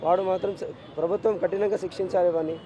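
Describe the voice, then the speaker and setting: A grieving father with a Telangana accent, giving an impassioned, halting street interview and repeating himself. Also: sits high, fairly even intonation, dark tone, slight background noise. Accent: Telangana Telugu.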